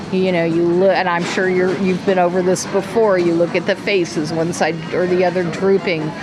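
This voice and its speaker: Music plays in the background and room echo is audible as a woman with a fairly low pitch speaks in a flat monotone at a moderate pace. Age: 60s. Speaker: hospice nurse. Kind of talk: casual chat. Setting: cruise ship buffet area.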